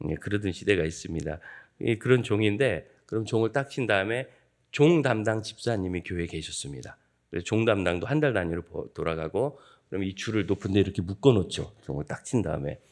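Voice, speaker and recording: A man in his fifties, a guest pastor preaching at a dawn church service, telling joking stories from his childhood in a lively way. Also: low voice, quick pace. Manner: lively, joking anecdotal storytelling. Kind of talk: sermon with humorous storytelling.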